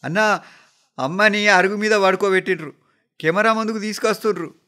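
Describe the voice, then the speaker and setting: A man playing a hoarse, grieving younger brother. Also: on the high side, fairly even intonation, brisk, pushed and bright, pitched above the performer's own voice. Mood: urgent. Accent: Telangana. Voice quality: hoarse from crying. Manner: urgent, pleading.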